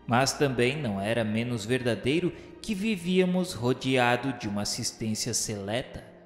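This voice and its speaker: Solemn male narrator in echoing reverb. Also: mid-range voice. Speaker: narrator of a religious radio drama. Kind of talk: solemn scripted literary narration. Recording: echoey hall-like reverb with music. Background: music.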